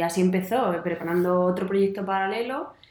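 Noticeable background noise around a woman speaking at a medium pitch. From Madrid, Spain. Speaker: online florist business co-owner. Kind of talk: casual interview chat. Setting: recorded live in person, shared mic.

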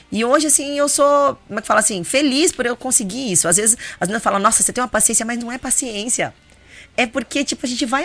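A woman's high-pitched, lively voice at a fairly quick pace, with a slight Goiás accent. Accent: Goiás interior accent, slight. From Brazil, interior of Goiás. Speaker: businesswoman, fashion retail. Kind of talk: interview conversation. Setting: studio.

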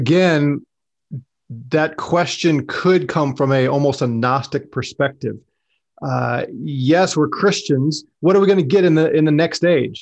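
A man with an ordinary speaking voice, fairly high in pitch with ordinary variation, at a fairly slow pace. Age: 50s. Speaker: pastor and seminary president. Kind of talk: casual chat.

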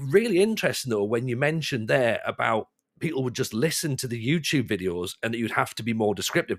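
A man with medium pitch talks in an ordinary speaking voice. His pace is fairly quick and his intonation lively. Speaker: podcast host. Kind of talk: casual chat.

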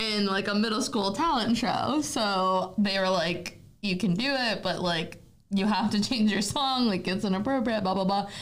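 With very even loudness, a woman speaks at a moderate pace in a medium pitch with ordinary pitch variation. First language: Spanish. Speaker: podcast host. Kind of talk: casual chat.

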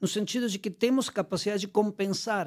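A man speaks at a moderate pace. His voice sits high in pitch for a man. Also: very clean recording, silent background. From Argentina. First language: Spanish (speaking Portuguese). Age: 60s. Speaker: university professor of sport science. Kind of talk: interview.

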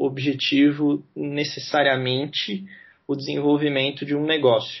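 A man's voice, pitched fairly high. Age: 20s. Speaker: entrepreneur, co-founder of a community for entrepreneurs. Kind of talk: interview.

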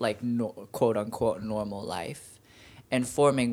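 A man's unremarkable speaking voice with an American accent, medium in pitch, with ordinary pitch variation and a fairly slow pace. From United States. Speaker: guest. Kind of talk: casual conversation.

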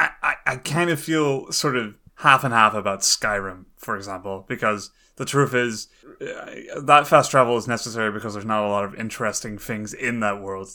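This man speaks at a moderate pace with a medium pitch and ordinary pitch variation. His tone is bright and sharp, on a very clean recording with a silent background. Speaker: podcast host and game streamer. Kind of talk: casual chat. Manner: loud, animated.

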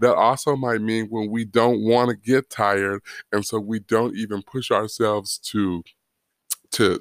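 Recorded dry and close with no echo, a man speaks fairly slowly at a fairly low pitch with fairly even intonation. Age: 40s. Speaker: preacher. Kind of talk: sermon. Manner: halting.

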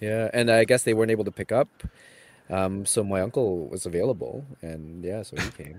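Spoken in a normal speaking voice with a Canadian accent, at a fairly quick pace. Loudness swings widely while pitch varies in an ordinary way. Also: man, fairly low pitch for a man. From Philippines, raised in Western Canada. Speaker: podcast co-host and nurse. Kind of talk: casual chat.

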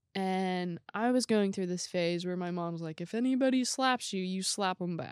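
A woman with a plain, everyday voice speaks at a moderate pace in medium pitch, with ordinary pitch variation, hardly any pauses and a dry, close sound with no echo. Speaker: guest. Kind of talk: casual chat.

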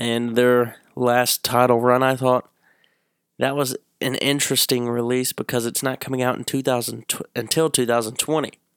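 With a Southern US accent, a man speaks at a moderate pace in a medium pitch with monotone, flat intonation, the sound dry and close with no echo. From Tennessee, US South. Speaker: sports podcast host. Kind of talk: solo sports commentary podcast.

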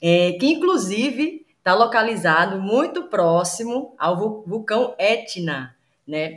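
Speaking at a very slow pace, a woman with a medium pitch makes very wide pitch swings. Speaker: live stream host. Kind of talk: interview.

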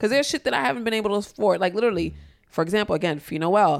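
Very fast speech with vocal fry and very wide pitch swings, on a very clean recording with a silent background. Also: woman. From Harlem, New York, Haitian family. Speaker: fashion stylist and entrepreneur. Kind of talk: casual chat.

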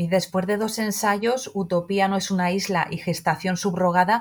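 An unremarkable speaking voice from a woman at medium pitch and a moderate pace. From Huesca, Aragon, Spain. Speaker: podcast host and novelist. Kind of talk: interview.

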